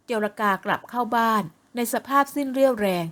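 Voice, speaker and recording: A woman narrating an audio novel with lively, expressive storytelling. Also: a little high, a little fast, music in the background.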